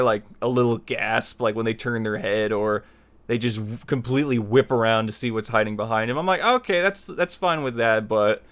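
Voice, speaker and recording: A man hosting a tutorial, explaining his opinions in a conversational, rambling way and repeating himself for emphasis. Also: medium pitch. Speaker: tutorial series host. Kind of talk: informal spoken lesson, opinionated explanation.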